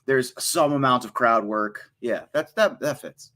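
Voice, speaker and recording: A man co-hosting a radio show in casual chat, upbeat and joking, with quick asides. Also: mid-range voice, pushed and bright. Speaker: radio co-host. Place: radio studio.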